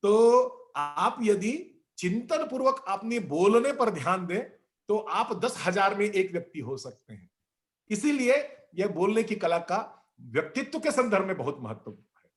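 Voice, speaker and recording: High-voiced man giving a measured talk. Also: big pitch swings. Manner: measured, recites Sanskrit verses and couplets. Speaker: guest speaker. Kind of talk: didactic talk on the art of speaking.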